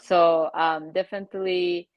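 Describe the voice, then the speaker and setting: A woman with a Ugandan English accent, originally from Congo, speaks in a low, flat voice. She answers earnestly, with hesitant ums along the way. Her sound is dry and muffled, as if it comes over a remote line. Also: unhurried, no echo. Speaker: guest author. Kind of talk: interview answers.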